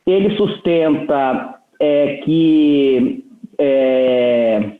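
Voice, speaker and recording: A man's voice: medium pitch, very slow. A man serving as judge rapporteur, reading a formal court report with frequent hesitations and restarts. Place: courtroom session. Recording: echoey, phone-like sound.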